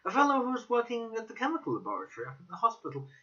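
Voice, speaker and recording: A man voicing an amiable, astonished, gossipy young gentleman in a dramatic audiobook, with an exclamatory, inquisitive way of talking. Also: sits high, wildly swooping pitch, very fast, lo-fi sound, pitched above the performer's own voice, full character voice. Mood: intrigued. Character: young Stamford, amiable, astonished, gossipy male old acquaintance.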